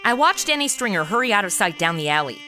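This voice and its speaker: An actress playing a sassy, flippant modern twenty-something in a comedic noir audio drama, slangy and snarky. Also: female voice, medium pitch, very animated, quick pace, pushed and bright, soft background music. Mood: wry narration.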